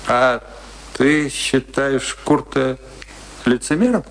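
An actor playing a middle-aged, wry, philosophizing husband in a bitter long marriage, in a Russian radio play with theatrical, musing delivery. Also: male voice, medium pitch, takes it slowly, a little hiss or hum. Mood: musing, ironic. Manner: theatrical, musing, swinging between teasing and brooding. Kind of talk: Russian radio play acting, dramatic dialogue.

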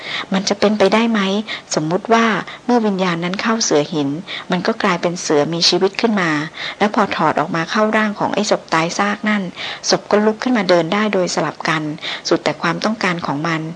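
A woman voicing a quick-witted young woman on an expedition, reasoning aloud slowly. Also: medium pitch, a little hiss or hum, lightly acted, low-quality recording. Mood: musing.

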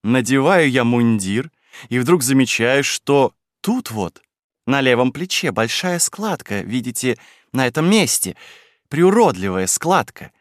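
A chattering, flighty young society wife, excitable and bossy, her voice jumping up high on eager questions, as a male reader puts her on. She sounds dry and close, with no room around her. The pitch sits in a middle range. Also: unhurried, dry recording.

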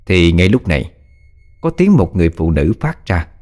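A man reading a scripted horror story in a dramatic, expressive way. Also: low voice, normal speed, soft background music.

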